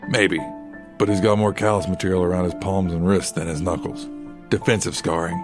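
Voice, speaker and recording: A low-pitched, brooding male vigilante acted by a man speaks with grave control over a music bed. His delivery is terse and serious, in the style of a comic-book radio drama. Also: level tone, a little fast, natural voice. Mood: terse, clinical. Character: grim, brooding masked male vigilante detective in his prime. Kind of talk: dramatic narration and dialogue in a comic audio drama. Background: background music.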